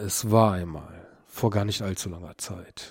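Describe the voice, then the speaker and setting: A man's husky, put-on character voice, fairly low in pitch, with fairly even intonation and a fairly slow pace. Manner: storytelling, like a film narrator.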